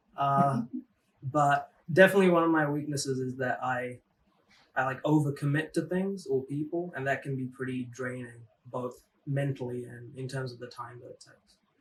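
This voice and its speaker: A man with a fairly high pitch speaks at a moderate pace, somewhat breathy, with fairly even intonation but big swings in loudness. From England and New Zealand, Sri Lankan-born. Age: 20s. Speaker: university student. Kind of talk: interview answers. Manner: casual with many fillers.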